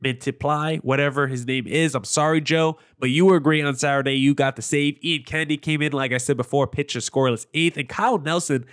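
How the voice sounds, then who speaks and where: A man's voice: on the high side, fairly even intonation, brisk, few pauses, fairly bright tone, clean tone. A young man with a nasal, congested voice from allergies, hosting a sports podcast in a chatty, opinionated, rambling way. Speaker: podcast host. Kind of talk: casual sports podcast commentary.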